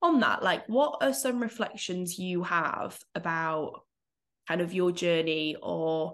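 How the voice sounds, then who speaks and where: Against a quiet background, a woman with a British accent speaks slowly-ish at a fairly low pitch, keeping a fairly slow pace. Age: 30s. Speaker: podcast host. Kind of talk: interview conversation.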